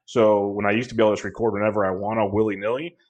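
A man in his thirties hosting a podcast, loud and carrying, talking earnestly and rambling with many restarts. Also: lowish voice, flat delivery, rapid-fire. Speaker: podcast host. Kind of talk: casual podcast chat.

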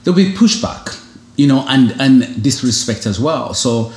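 A man's voice: medium pitch, animated, unhurried, a little mellow, echoey room. A man from Uganda, a single foster father, talking earnestly and reflectively as an interview guest, with many "you know" fillers. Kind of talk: casual interview conversation.

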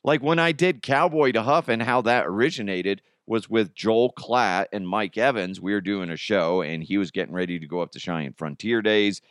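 A man's voice: lowish voice, moderate pace, few pauses, clean tone, dry recording, clean studio sound. A man hosting a podcast in casual, rambling talk, his voice a little strained. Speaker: podcast and radio host.

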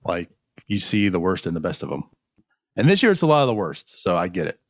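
A man's voice: low-pitched, very animated, fairly quick, no echo, clean studio sound. A man in his late thirties hosting a casual sports podcast, rambling through points with lots of "like" and restarts. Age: late 30s. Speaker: podcast host.

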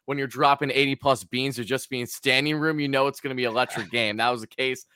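Fast-talking raspy man, excitable and bright. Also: mid-range voice, dry recording, studio quality. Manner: excitable, hyperbolic. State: hoarse from screaming. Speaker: sports podcast co-host. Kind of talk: casual sports chat.

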